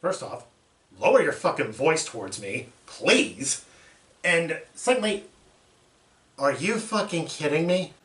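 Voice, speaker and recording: Brief: performer doing a blunt annoyed leader, lively pitch, roomy far-off sound. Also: takes it slowly, pauses often. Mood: irritated. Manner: curt, cursing scolding. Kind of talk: amateur fan-film voice acting.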